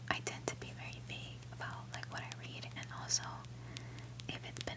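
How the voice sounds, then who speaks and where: Over loud background noise, a soft-spoken woman whispers at a moderate pace. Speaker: vlogger. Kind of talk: casual vlog chat. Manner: soft intimate ASMR whisper. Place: home room. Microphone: earbuds.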